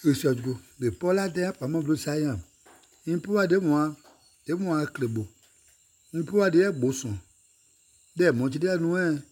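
A man's voice: fairly high pitch, animated, normal speed, pauses often, darkish tone, slightly rough. A man singing or chanting in a repetitive way, returning again and again to short refrains. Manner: repeats short refrains over and over.

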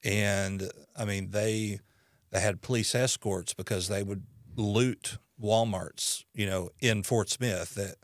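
A middle-aged man, hosting a podcast interview in a measured, halting way. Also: fairly low pitch, steady tone, dry recording. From Arkansas, United States. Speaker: podcast host. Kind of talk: conversational interview.

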